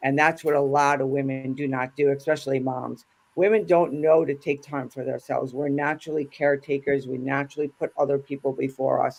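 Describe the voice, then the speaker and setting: The speaker has a New York accent and moves at a fairly quick pace. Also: woman. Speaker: coach. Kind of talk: panel discussion.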